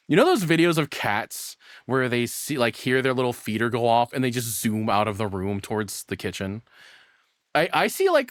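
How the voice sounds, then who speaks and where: A man doing casual live reaction commentary as a streamer, excitable and rambling, swearing freely. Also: medium pitch, no room sound, clean studio sound. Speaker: VTuber streamer reacting to videos.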